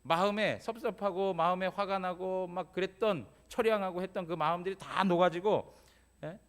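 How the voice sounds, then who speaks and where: A male pastor preaching a Sunday sermon in a church. His voice sits a little high for a man. He talks to the congregation like a neighbour, tossing them quick questions as he goes. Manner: conversational preaching, frequent "예?" prompts to congregation. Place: church sanctuary.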